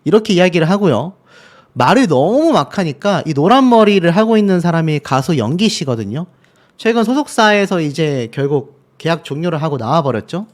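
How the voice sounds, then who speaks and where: A man with a high voice that rises and falls a great deal, hosting a news commentary channel. He talks viewers through footage in a casual, chatty way, pointing out one detail after another and leading into each point with a short aside.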